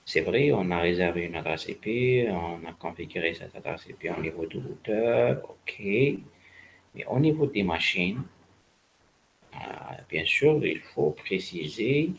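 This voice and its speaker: Deep voiced guy teaching a class, kinda crackly voice, stops and starts, repeats stuff, bit of noise. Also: vocal fry. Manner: didactic, repeats key points for emphasis. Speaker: networking lecturer. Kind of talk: spoken university lecture.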